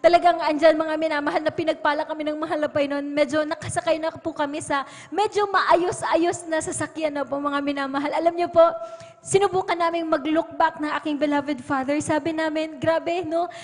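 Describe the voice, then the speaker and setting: High-voiced Filipino woman giving church testimony. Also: steady tone, a little fast. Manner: earnest, repeats "mga minamahal" as address. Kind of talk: testimony at Sunday worship. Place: church hall. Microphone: pulpit microphone. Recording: church livestream with long hall reverb.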